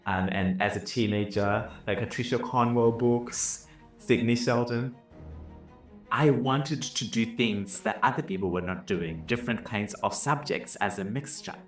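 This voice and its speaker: A man's voice: lowish voice, unhurried. A man from Zimbabwe, a business and leadership coach, telling his own life story in an earnest, reflective way. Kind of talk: personal story told over music. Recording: roomy, somewhat distant mic with soft music. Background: soft violin music.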